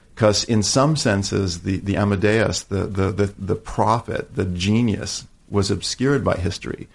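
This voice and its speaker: A man's fairly low, somewhat breathy voice with ordinary pitch variation, a moderate pace and hardly any pauses, over a quiet background. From Italy (Rome). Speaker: author. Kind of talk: interview. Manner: hesitant, many fillers.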